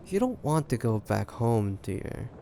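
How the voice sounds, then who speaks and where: A man playing an ambitious, shrewd pirate captain in an audio roleplay, taunting the listener in a deliberate, conspiratorial way. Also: mid-range voice, very animated, vocal fry, warm tone, slight background noise. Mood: calculating persuasion. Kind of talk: roleplay audio drama monologue addressed to listener.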